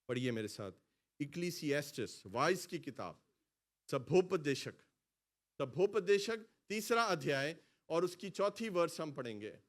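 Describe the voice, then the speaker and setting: A male pastor preaching a sermon in a church hall, calling out lines for the congregation to repeat and swinging between loud exclamations and quiet asides. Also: a little high, animated. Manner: preaching, has the congregation repeat phrases after him. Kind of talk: sermon with call-and-response.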